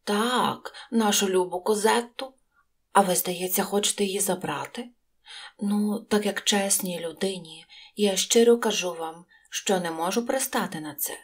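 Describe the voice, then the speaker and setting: A woman's voice: mid-range voice, normal speed, husky. A woman voicing a sly, greedy male innkeeper from a storybook, putting on a good-natured, sincere tone. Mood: falsely sincere. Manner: cold, then falsely good-natured. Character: sly greedy innkeeper, middle-aged man.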